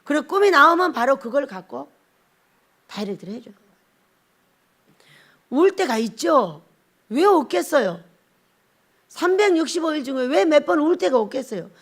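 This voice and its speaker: A woman's voice: high voice, big pitch swings, moderate pace, pauses often. A woman pastor giving a blunt, scolding sermon and acting out little scenes as she preaches.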